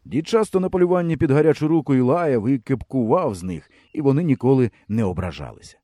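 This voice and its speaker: A man narrating a storybook in a lively, expressive way. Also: medium pitch, quick pace, dry recording, studio quality. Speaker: audiobook narrator. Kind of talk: storybook reading.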